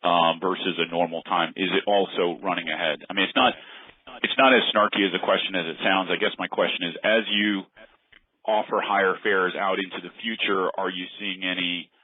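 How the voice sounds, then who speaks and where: A very low male voice comes through a dry, narrow phone connection. He is an analyst asking questions on an earnings call, feeling his way through tentative, hedged phrasing. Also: steady tone, a little fast.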